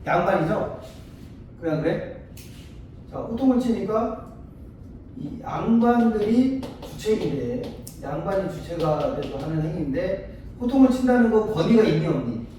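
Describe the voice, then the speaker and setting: A little slow in delivery, the Korean literature tutor's voice is high, animated and mellow as he lectures. He keeps asking students whether they're following and acts out short dialogues to explain. It's recorded from a distance in an echoey room, with faint noise underneath.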